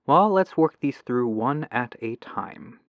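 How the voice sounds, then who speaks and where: Male actor as patient, methodical robotics support agent for an ASMR phone roleplay; helpful, mid-pitched, muffled telephone sound. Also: expressive, slow, dry recording. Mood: patient, thoughtful. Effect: telephone lo-fi filter.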